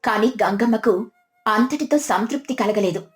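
Higher-voiced woman narrating a story. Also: moderate pace. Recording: music behind the voice.

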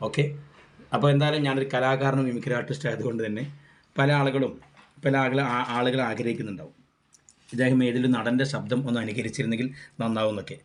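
A man's voice: medium pitch, steady tone, quick pace. A middle-aged man, giving an earnest, rambling product testimonial.

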